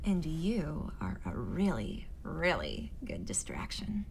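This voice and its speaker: An actress playing a teasing, irreverent and flirtatious expedition director, playful and wry, in a science fiction audio drama. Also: female voice, deep voice, very animated, slow pace, vocal fry, darkish tone, slight background noise, heavily acted.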